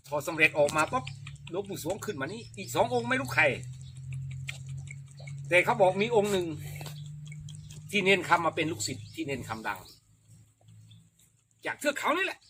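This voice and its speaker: A man telling a life story in casual chat, emphatic and animated. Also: high voice, normal speed, pauses often, noisy background.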